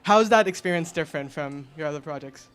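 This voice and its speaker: Male interviewer, somewhat high voice, quick prepared question. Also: fairly bright tone, clear, resonant tone.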